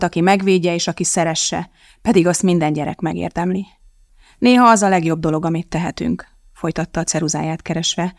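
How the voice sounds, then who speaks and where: Reader doing a no-nonsense mom, firm and flat-out blunt, bit of gravel in the voice, dry close sound. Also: mid-range voice, dry recording, lightly acted. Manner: firm and matter-of-fact. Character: blunt determined woman, a single mother. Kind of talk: audiobook character voice.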